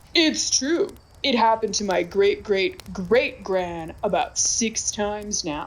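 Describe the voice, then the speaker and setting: This female-sounding voice uses a put-on character voice at a medium pitch and a fairly slow pace. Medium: audio drama.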